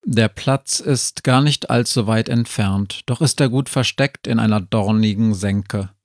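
Man reading a storybook, slow and calm, dry close recording. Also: on the low side, dry recording. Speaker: narrator.

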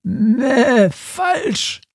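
A man voicing a fussy, pedantic sheep that bleats and nitpicks in a high, strained, raspy voice. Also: very animated, no echo, studio quality, heavily acted. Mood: indignant. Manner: bleats, nitpicks, rants fast.

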